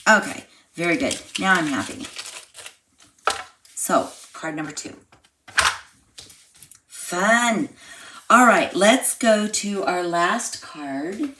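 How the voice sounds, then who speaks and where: A woman with a slightly hoarse, froggy voice, chatting step by step through a live card-making class. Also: fairly low pitch, expressive, slow pace, pauses often, sharp tone, slight background noise. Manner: chatty step-by-step explaining while crafting. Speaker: craft class instructor. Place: home craft room.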